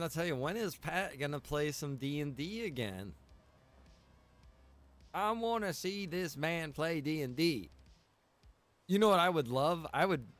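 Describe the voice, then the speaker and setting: A man with a slightly high voice chats casually with viewers during a gaming livestream, playful and full of slang, addressing them as bro and dude. Music can be heard in the background.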